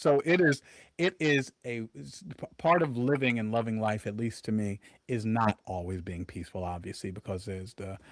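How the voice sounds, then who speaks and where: A man at medium pitch and moderate pace, with very wide pitch swings, big swings in loudness, and a dry, close sound with no echo. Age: 60s. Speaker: singer-songwriter. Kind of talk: interview. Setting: livestream interview.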